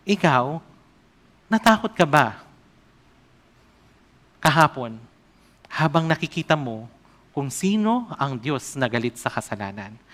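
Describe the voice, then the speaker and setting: A man preaching a sermon as an evangelist, often asking the congregation questions and reading scripture aloud slowly. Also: a little high, a bit bright.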